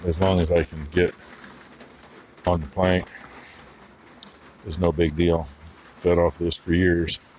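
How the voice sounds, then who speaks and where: A man's voice: low-pitched, little pitch movement, takes it slowly, long pauses, a little mellow, low-quality recording. A middle-aged man rambling and thinking aloud in a folksy way, talking casually as he does farm chores. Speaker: farmer vlogger. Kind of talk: casual vlog talk while doing farm chores. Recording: noticeable background noise and rattling.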